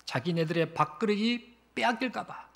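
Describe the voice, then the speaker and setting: A man's voice: high-pitched, moderate pace, vocal fry, fairly bright tone. A male pastor delivering a sermon, telling a story and posing rhetorical questions to the congregation. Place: church sanctuary.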